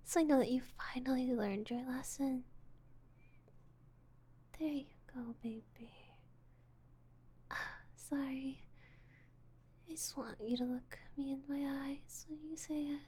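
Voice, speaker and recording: Woman playing a possessive mommy figure, soft breathy whisper, high voice, unhurried, mellow tone, teasing and condescending. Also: steady tone, slight background noise. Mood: taunting. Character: possessive, controlling woman calling herself Mommy. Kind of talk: whispered audio roleplay.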